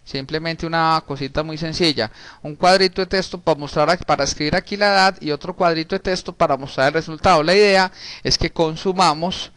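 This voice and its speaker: A man, teaching a programming class in a relaxed way while working on screen. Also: fairly high pitch, a little fast, no room sound. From Colombia. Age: 30s. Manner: casual, talks while typing, frequent restarts and diminutives. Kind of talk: recorded screen-share coding lesson.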